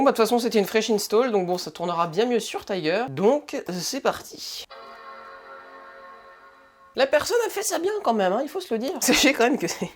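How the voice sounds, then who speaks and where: Casual, swearing young tech vlogger. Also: male voice, sits high. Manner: muttering to himself, swearing casually, chuckling. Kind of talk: casual hands-on tech vlog commentary.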